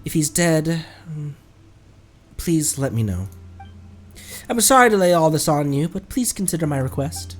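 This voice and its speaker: A man's voice: on the high side, sing-song, measured pace, long pauses. A man voicing a solemn soldier from a video game, devoted to a missing comrade. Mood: earnest, pleading. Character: solemn Fatui soldier pleading for a lost comrade.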